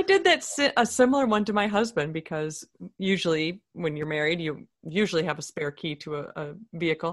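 This is a woman with an ordinary speaking voice, pitched fairly low. Her intonation is lively. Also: fairly quick pace. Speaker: podcast host. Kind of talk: casual interview chat.

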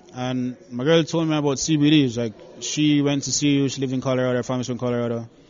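Talking at a very fast pace over noticeable background noise, a man keeps a medium pitch and fairly even intonation. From Jamaica, Kingston. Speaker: cannabis business owner. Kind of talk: interview.

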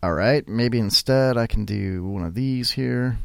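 A man's animated tone at a fairly low pitch. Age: 40s. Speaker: internet radio host. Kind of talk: live call-in show chat. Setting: studio.

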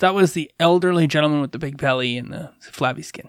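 The tone is clear and smooth, and the pace is fast. Pitch variation is ordinary. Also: man, fairly high pitch for a man.

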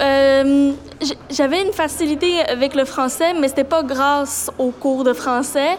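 Speaking very slowly, a woman with a high voice keeps her loudness very even and her pitch variation ordinary, with noticeable background noise behind her. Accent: Quebec. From Quebec (Lorraine and Montreal). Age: 20s. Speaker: aspiring French teacher. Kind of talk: interview testimony.

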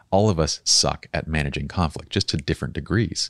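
A man's very deep, low voice with vocal fry and ordinary pitch variation at a fairly quick pace, dry and close with no echo on a very clean recording with a silent background. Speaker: wedding photographer and podcast host. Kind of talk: casual podcast conversation.

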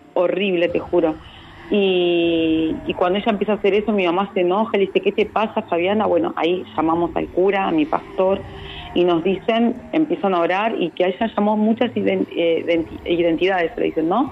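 The voice moves at a moderate pace with ordinary pitch variation and very even loudness over noticeable background noise. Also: woman, medium pitch for a woman. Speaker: reality TV personality and former politician. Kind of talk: interview, telling a personal story.

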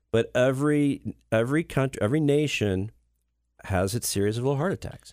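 A plain, everyday voice from a man, medium in pitch with ordinary variation and a fairly quick pace, in a dry, close sound with no echo and a very clean recording with a silent background. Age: 50s. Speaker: radio host, criminal defense attorney. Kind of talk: casual talk radio chat.

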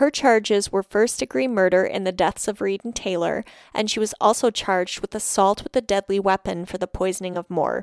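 Hardly pausing at all, a woman speaks in a plain, everyday voice at a medium pitch with ordinary pitch variation, and the sound is dry and close with no echo. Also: fairly quick pace, very clean recording, silent background. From North Carolina. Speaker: true crime podcast co-host. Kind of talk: casual chat.

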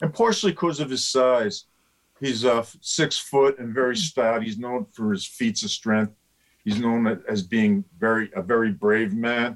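A man's medium-pitched voice at a moderate pace. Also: ordinary pitch variation. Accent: American. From US Northeast, northern Westchester, New York. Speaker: historian. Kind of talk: radio interview. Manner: halting.

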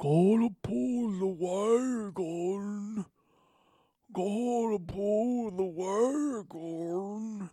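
Using a put-on character voice, the speaker drawls at a very slow pace in a fairly high, guttural tone. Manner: loud murmuring.

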